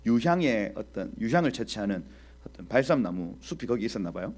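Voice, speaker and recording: A man teaching a Bible exposition in an animated preaching style, speaking directly to his audience and acting out scenes. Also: fairly low pitch, brisk, slightly rough. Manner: animated, acts out quoted dialogue.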